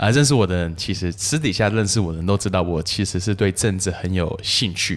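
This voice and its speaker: A man talks at a fairly quick pace in an unremarkable speaking voice. His pitch varies in an ordinary way. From Taiwan. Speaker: podcast host. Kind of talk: casual chat.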